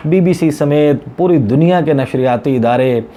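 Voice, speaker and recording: A man's voice: fairly high pitch, normal speed, dark tone, slight background noise. A man with a Pakistani accent, a journalist giving conversational, explanatory news commentary to viewers and mixing in English words. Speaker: journalist covering foreign policy, presenter.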